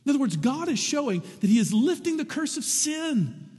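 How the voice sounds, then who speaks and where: A man preaching a sermon to his congregation, lively and animated, with wry asides. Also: very high-pitched, normal speed, in a large hall. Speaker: pastor.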